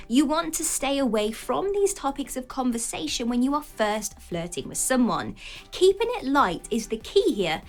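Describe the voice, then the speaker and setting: A woman reading scripted dating advice as a voice-over, in an expressive style that slows down on each heading. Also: high voice. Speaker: channel narrator.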